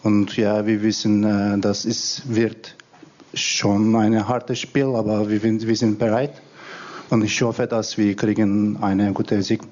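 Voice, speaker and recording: Turkish-born footballer with halting speech. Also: male voice, fairly low pitch, little pitch movement, darkish tone, highs cut off. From Turkey. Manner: halting, with hesitations. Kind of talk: interview soundbite.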